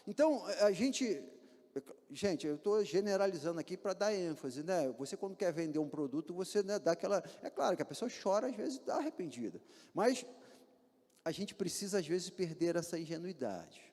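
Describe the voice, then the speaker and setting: A man's voice: high voice, sing-song, normal speed, warm tone. A man with a Brazilian Portuguese accent, a pastor preaching a sermon in a church, asking rhetorical questions and acting out examples. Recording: hall reverb.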